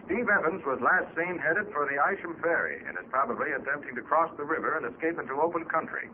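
An actor playing a commanding master detective, making formal, deliberate announcements in a 1940s radio drama. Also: male voice, fairly high pitch, expressive. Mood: grave, urgent. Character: commanding male master detective broadcasting a manhunt appeal. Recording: narrow, lightly noisy old radio recording.

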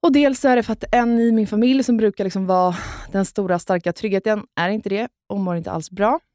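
A woman's voice: mid-range voice, dark tone, no room sound, studio quality. A young woman co-hosting a podcast, telling a personal story in casual chat and swearing freely. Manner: candid, swears a lot, retells with "jag bara". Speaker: podcast co-host.

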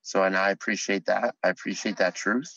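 A man's voice: low-pitched, fairly even intonation, brisk, gravelly, a bit bright, dry recording, dull audio. A middle-aged man, an educator, speaking earnestly as a podcast guest about his mission. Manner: earnest, driven, speech-like. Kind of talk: casual podcast interview.

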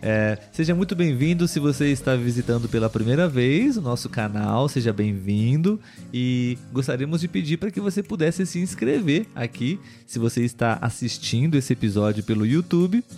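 A Brazilian man hosting a casual chat podcast for language learners, speaking clearly and in a friendly way. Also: medium pitch, expressive, moderate pace, hardly any pauses, mellow, faint music behind. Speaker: podcast host.

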